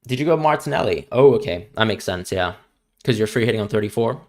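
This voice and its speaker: On a live stream, a young Hong Kong man chats casually and fields viewers' questions in a fairly low, darkish voice, speaking fast and animatedly with an international school accent. He often repeats words as he begins his sentences.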